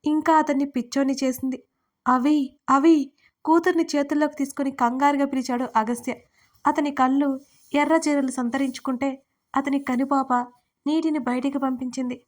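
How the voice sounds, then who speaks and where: A woman tells a dramatic audio story in a high voice. She reads the characters' dialogue without changing her voice much and keeps an even storytelling delivery. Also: a little fast. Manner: reads all characters' lines with little change of voice. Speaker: narrator. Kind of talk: storytelling narration.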